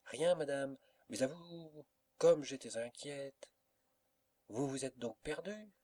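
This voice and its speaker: A man's voice: medium pitch, slow, warm tone, no room sound, voice pushed up. A man voicing an anxious old female servant in a storybook reading, exclaiming with fretful concern.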